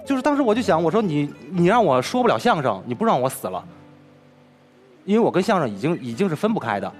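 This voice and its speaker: Man, crosstalk performer, animated storytelling, widely moving pitch. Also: quick pace, soft background music. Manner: animated, retells dialogue with lively swings. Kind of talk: emotional storytelling in an interview.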